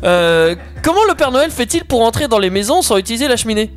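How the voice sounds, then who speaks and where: Fast high-voiced man joking. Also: very animated. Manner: quick, reads out jokes playfully. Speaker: panelist. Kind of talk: casual panel chat.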